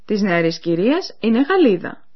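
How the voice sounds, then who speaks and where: Female radio course presenter, clear explanatory delivery, animated pitch, muffled lo-fi sound. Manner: clear, explanatory, addresses listeners. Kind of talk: scripted educational narration. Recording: dull lo-fi radio recording.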